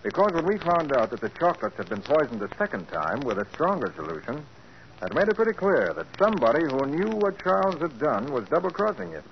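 Calm confident detective, explains things, lively voice, dull hissy old radio recording. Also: male voice, a little high, brisk. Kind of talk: 1940s radio acting.

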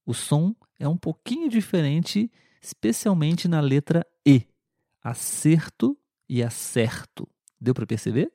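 A man giving a language lesson, repeating words and sentences slowly and clearly for learners. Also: fairly high pitch, very animated, mellow, dry recording, clean studio sound. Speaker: language teacher. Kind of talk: slow explanatory lesson.

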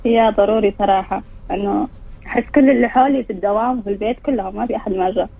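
Woman calling in over the phone, voice all hoarse from being sick, tinny line. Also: medium pitch, rapid-fire. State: hoarse from a cold. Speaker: caller. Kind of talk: casual call-in chat.

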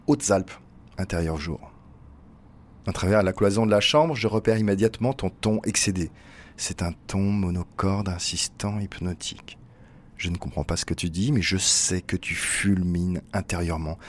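A man reading a literary first-person text as narrator, in an intimate, measured way. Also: sits low, a little hiss or hum.

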